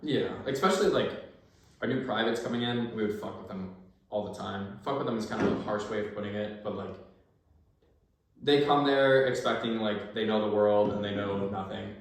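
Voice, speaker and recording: A man's voice: fairly low pitch, normal speed. An American man, a former army sniper, chatting as a podcast guest, swearing freely and acting out old conversations as he tells stories. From United States. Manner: profane, storytelling, acts out quoted exchanges. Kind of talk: casual chat. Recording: very echoey room, far from the mic.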